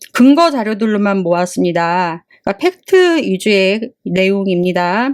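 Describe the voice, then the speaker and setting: Lively in her intonation, a woman of medium pitch talks at a fairly slow pace. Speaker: political YouTuber. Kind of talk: political commentary monologue. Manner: halting, self-correcting.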